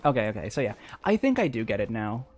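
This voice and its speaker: A man giving casual live game commentary as a streamer, rambling and excitable. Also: lowish voice, quick pace. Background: faint game music.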